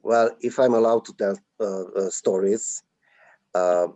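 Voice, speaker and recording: A man, a native Hungarian speaker and actor, answering slowly in a webinar interview over a video call, with many drawn-out fillers. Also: lowish voice, steady tone, mellow, no room sound, highs cut off. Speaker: film actor, guest.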